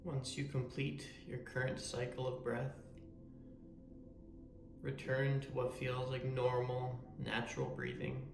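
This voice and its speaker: A man leading a guided meditation in a calm, measured, soothing way. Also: mid-range voice, echoey room. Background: meditation music.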